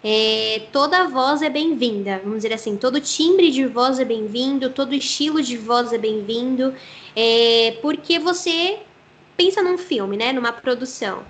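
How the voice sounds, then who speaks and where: Explanatory Brazilian voice actress. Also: female voice, a little high, a little slow, a little hiss or hum. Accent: Brazilian Portuguese. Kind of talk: interview.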